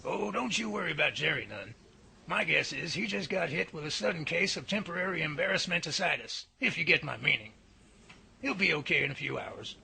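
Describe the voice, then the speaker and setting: Man playing a creaky, high-voiced folksy professor. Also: animated, fairly quick, pushed and bright, heavily acted. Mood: folksy, reassuring. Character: folksy, easygoing professor leading a Sasquatch research team. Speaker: lead Bigfoot researcher. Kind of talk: radio drama acting.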